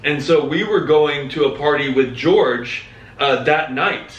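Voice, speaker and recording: A man in his thirties co-hosting a podcast, telling a story in a lively, casual way. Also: on the high side, unhurried, lo-fi sound. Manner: animated, acts out quoted voices. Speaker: podcast co-host. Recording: echoey room, mic at a distance.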